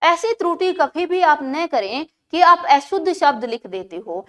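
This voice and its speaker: A woman's voice: sits high, animated, measured pace, bright, forceful tone. A woman teaching an exam-prep lesson who keeps asking questions and answering them herself, repeating key words for emphasis.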